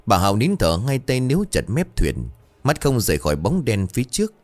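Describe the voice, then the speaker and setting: A man's voice: medium pitch, wildly swooping pitch, brisk, faint music behind. A man narrating a horror story in a dramatic, suspenseful way.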